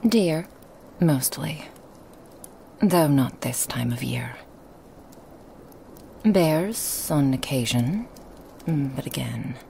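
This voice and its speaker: A woman playing a lonely, hospitable woman in a remote forest cabin, speaking softly and coaxingly in a half-whisper to the listener. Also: very deep voice, expressive, very slow, vocal fry, pauses often, a little hiss or hum, full character voice. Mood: gentle. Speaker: ASMR roleplay performer. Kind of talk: ASMR roleplay, whispered to the listener.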